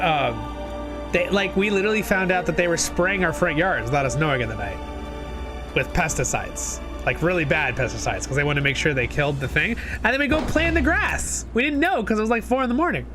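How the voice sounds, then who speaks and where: Chatty young man, sniffly from a cold. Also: fairly high pitch. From Southern California. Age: 20s. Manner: rambling, chatty, talks to chat. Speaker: streamer. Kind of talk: casual live-stream chat. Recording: music playing behind.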